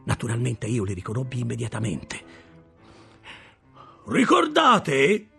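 A man reading a novel aloud with expressive, dramatic storytelling. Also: medium pitch, moderate pace, husky, soft background music. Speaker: audiobook narrator. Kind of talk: scripted narration.

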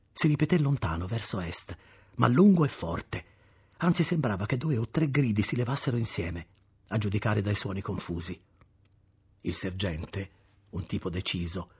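A man reading a novel aloud with expressive, dramatic storytelling. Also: fairly low pitch, breathy edge. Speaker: audiobook narrator. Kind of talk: scripted narration.

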